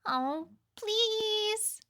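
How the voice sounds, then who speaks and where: Casting: woman as eager bookworm girl for fan audio drama, high, bright, determined and theatrical. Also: animated, very slow, full character voice. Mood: playful coaxing. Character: eager, bookish young female pony-turned-student, earnest and theatrical.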